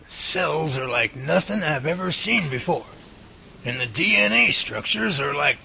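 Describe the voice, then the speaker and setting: A man's voice: fairly high pitch, gravelly, pushed and bright, exaggerated voice. A man playing a folksy, confident research professor in a radio drama, explaining things and taking charge. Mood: amazed. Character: folksy, confident professor leading Bigfoot research, good-humored.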